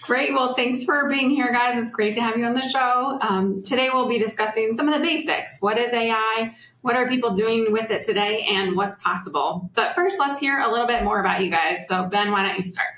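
A woman's voice: on the high side, a little fast, few pauses, a bit bright. A woman hosting an interview, upbeat and friendly, who laughs easily. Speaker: host. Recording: echoey room with faint noise.

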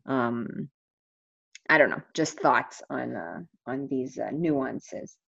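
A woman with a low voice talks through her ideas on a video call, pausing on fillers and restarting her sentences. The sound is dull and dry, like a call recorded without any room around it. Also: sing-song, gravelly, slightly rough, no echo. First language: not Finnish. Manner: thoughtful, many fillers and restarts. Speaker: online language coach. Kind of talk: casual video call conversation.

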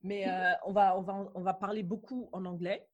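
A young woman from Mauritania with a slight English-influenced French accent, co-hosting a podcast in relaxed chat that switches between French and English. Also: medium pitch, moderate pace, muffled recording. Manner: code-switching, laughs easily. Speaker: podcast co-host.

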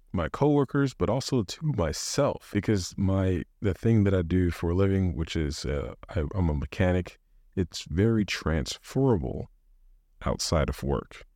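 A man's voice: low voice, mellow, dry recording, studio quality. A man in his thirties hosting a solo podcast, talking casually and rambling with many restarts and fillers. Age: 30s. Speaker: podcast host.

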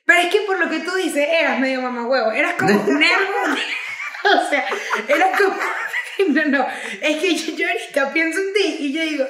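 A woman's voice: high voice, a little fast, background noise. A young woman with a Venezuelan accent telling slangy stories in casual podcast chat, acting out quotes as she goes. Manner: lively storytelling, acts out quotes, slangy. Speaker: podcast co-host. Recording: roomy echo.

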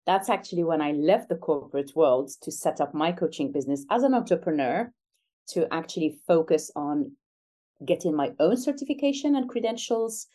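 Low, mellow middle-aged woman from Algeria. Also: lively intonation, normal speed. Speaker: interview guest, executive coach. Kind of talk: reflective conversational interview.

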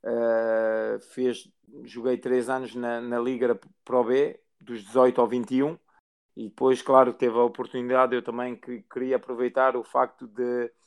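Halting man, smooth flat voice. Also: medium pitch. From Portugal, raised in France. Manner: halting, many fillers and restarts. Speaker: basketball assistant coach, guest. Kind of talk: interview answers.

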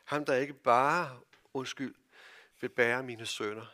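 A Danish man preaches in a church with an average-pitched voice. He talks earnestly and a little haltingly, with fillers and restarts. His volume swings from soft, hushed phrases to loud calls to the congregation. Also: steady tone. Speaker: pastor. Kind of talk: sermon.

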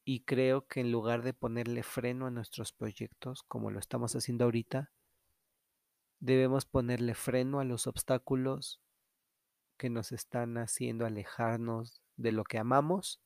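Gravelly man, confessional podcaster. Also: medium pitch, flat delivery, unhurried, a little mellow, no echo, clean studio sound. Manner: candid, reflective, confessional. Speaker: podcast host. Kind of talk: solo podcast monologue.

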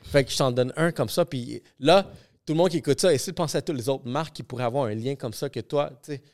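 A man hosting a casual podcast, talking animatedly with "comme, yo" fillers and thinking out loud. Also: mid-range voice, fast. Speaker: podcast host.

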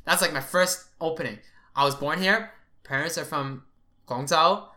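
A young man from Canada who grew up speaking Cantonese, co-hosting a podcast in casual, animated, sweary chat. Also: a little high, moderate pace. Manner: animated, swears freely, lots of "like". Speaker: podcast co-host.

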